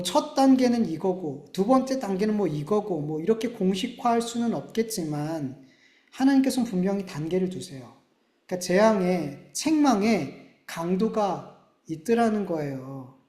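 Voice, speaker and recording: Earnest pastor preaching in echoing church. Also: male voice, high voice, dark tone. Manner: earnest, conversational preaching with dramatic emphasis. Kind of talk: sermon. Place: church sanctuary. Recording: echoey church room.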